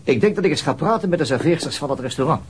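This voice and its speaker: An actor playing a persistent, methodical police detective in a Dutch radio drama, formally polite and matter-of-fact. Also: male voice, on the high side, expressive, racing, natural voice.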